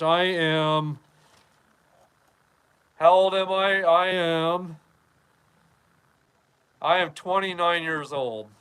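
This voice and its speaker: With a slightly high, somewhat bright and clean voice, this fifty-something host from Wyoming chats loosely on a live-stream podcast. He wanders between topics as he reads comments from viewers.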